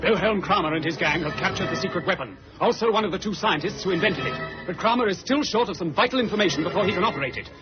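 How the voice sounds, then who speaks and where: A man's voice: sits high, expressive, fast talker. A man announcing a radio serial recap in an urgent, dramatic old-radio manner. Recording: dull archive recording over loud music.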